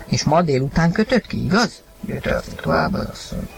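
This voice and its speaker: Gravelly guy reading a story, voice jumps all over, music under it. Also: a little high, lively intonation. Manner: acted, rising to shouts in heated lines. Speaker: narrator and reader of the husband's lines. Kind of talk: dramatized audiobook reading.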